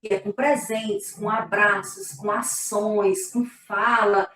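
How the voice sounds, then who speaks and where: A woman's voice: mid-range voice, fairly even intonation, slow pace, fairly bright tone, distant mic. A woman, a pastor, explaining earnestly in a casual church live talk, often ending phrases with a tag question. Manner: earnest, explanatory, frequent "né?" tags. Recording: echoey room, voice from afar.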